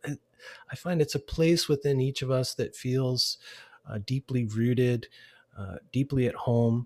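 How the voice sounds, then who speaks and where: A man speaks at a fairly slow pace in a medium pitch, somewhat breathy, with fairly even intonation. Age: 40s. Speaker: yoga teacher and transformational coach. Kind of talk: casual interview.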